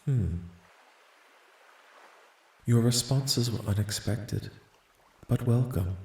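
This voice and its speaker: A man voicing a calm, curious alien in an ASMR roleplay, speaking softly with formal, detached, precise wording. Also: mid-range voice, drawn-out words, roomy sound. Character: calm, curious, clinical male alien studying human dreams. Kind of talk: soft-spoken ASMR roleplay, scripted.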